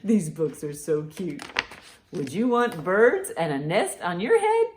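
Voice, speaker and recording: A woman with a slightly low voice leads a children's storytime. She takes her time and speaks in an encouraging, sing-song way. The room adds noticeable echo. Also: very animated, slow, darkish tone, slight background noise. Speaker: children's librarian, storytime host. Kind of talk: children's storytime read-aloud and rhymes. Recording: roomy, echoing sound.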